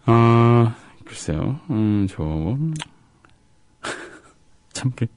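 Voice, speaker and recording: A man co-hosting a radio show, chatting casually and reading listener comments in a halting, soft-spoken way with gaps between his words. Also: mid-range voice, expressive, clear, resonant tone, no echo.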